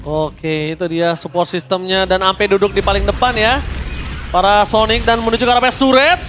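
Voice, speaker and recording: A man giving excited live esports play-by-play as a fighting game announcer, with dramatic drawn-out calls. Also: sits high, a little hiss or hum. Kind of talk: excited live match commentary. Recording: loud game music and crowd behind. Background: game music, crowd.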